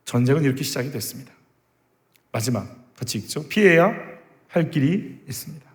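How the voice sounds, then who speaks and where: A man's voice: mid-range voice, expressive, a little fast. A male pastor preaching a sermon in a church sanctuary, emphatic and full of rhetorical questions to the congregation. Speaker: senior pastor. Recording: reverberant church hall.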